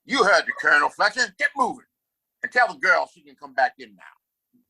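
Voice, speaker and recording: A man's voice: high voice, big pitch swings, moderate pace, vocal fry, sharp tone, breathy edge, full character voice, low-quality recording. A man playing a pompous, scheming Old West town boss in an audio play, speaking in a grandiose, commanding, wordy way.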